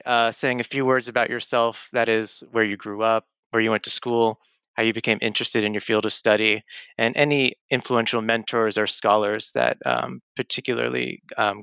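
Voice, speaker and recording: A man conducting an interview, putting questions in a measured way with pauses mid-sentence. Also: medium pitch, fairly even intonation, gravelly, a bit bright, clean tone, no echo.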